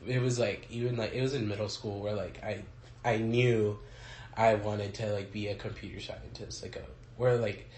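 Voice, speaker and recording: A man's voice: on the low side, level tone, moderate pace, a little mellow, reverberant. A young man, a college student, chatting with friends and then answering interview questions in a rambling way, full of fillers and laughter. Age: young adult. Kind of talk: casual chat and interview answers.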